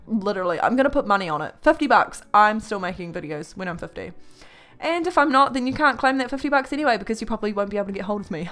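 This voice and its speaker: A woman's voice: fairly high pitch, a bit bright. A young woman doing casual, chatty YouTube gaming commentary in a rambling, self-deprecating way with blunt, mild swearing. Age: young adult. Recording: music behind the voice. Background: music.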